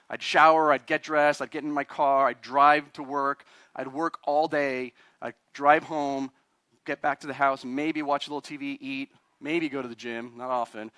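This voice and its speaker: A man's voice: a little high, fairly bright tone, dry recording. A man in his forties from Chile, an attorney giving a live talk to a meetup audience, chatty and self-deprecating, often quizzing the crowd. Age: 40s. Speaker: guest speaker, attorney.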